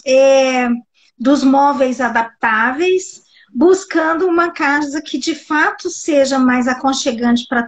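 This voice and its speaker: A woman hosting an interview, gracious and warm, laughing easily. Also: high voice. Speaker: host, interviewer. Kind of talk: friendly interview.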